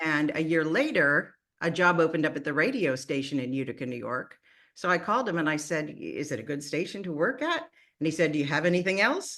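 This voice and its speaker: Over a quiet background, a woman with a very deep, low pitch talks at a very fast pace with lively intonation, in an American accent. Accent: Boston accent, comes out when tired. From Boston area, US. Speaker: retired radio news co-host. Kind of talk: casual chat.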